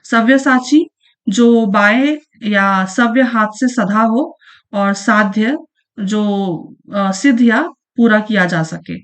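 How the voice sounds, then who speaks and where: Speaking slowly at a medium pitch with a Chhattisgarhi Hindi accent, a woman teaches an online exam-prep lesson working through past exam questions. She patiently repeats each definition and checks in with the listener as she goes.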